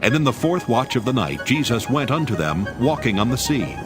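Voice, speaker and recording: Animated male scripture narrator over music. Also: mid-range voice, brisk.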